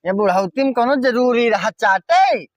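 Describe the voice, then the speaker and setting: A man playing a village honey seller in a rustic comedy sketch, haggling in a pushy, quick way. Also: very high voice, expressive, no echo, highs cut off.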